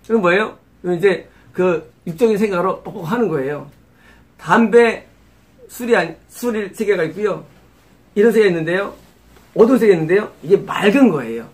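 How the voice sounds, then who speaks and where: A middle-aged man preaching an expository sermon as pastor, often asking his own rhetorical questions and repeating key phrases. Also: high-pitched. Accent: Korean-accented English words.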